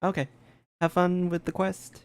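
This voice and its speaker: A man's voice: high-pitched, level tone, normal speed, slight background noise. A man casually thinking aloud as he gives live commentary on a game he is streaming. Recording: game music behind the voice.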